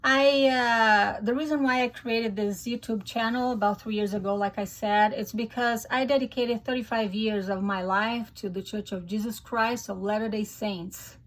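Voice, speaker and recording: A woman's voice: fairly high pitch, moderate pace. A middle-aged Brazilian woman with a Brazilian Portuguese accent, a native Portuguese speaker talking earnestly to camera in English, with hesitant restarts. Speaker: YouTuber.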